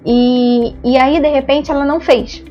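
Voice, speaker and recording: A woman's voice: sits high, steady tone, a little slow, dark tone, muffled recording, soft background music. A Brazilian woman giving an online lesson on therapy, explaining patiently with frequent tag questions and acted-out examples. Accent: Brazilian Portuguese. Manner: explanatory, frequent "né?" tags, acts out praise and "no" examples. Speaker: ABA therapy instructor.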